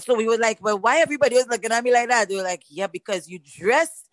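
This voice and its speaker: A middle-aged woman speaks with a fairly high voice in a dry, close recording. She is a lively storyteller, chatting casually as a guest in an interview. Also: fast talker, no echo. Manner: lively storyteller, switches into Spanish and French. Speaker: guest soca singer.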